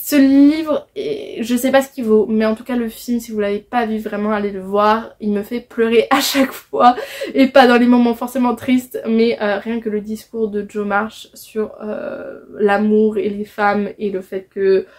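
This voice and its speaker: A woman's voice: fairly high pitch, fairly even intonation, normal speed, darkish tone. A young woman from France chatting casually about her reading list as a book vlogger, with many hesitations and restarts. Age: young adult. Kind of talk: casual book haul chat.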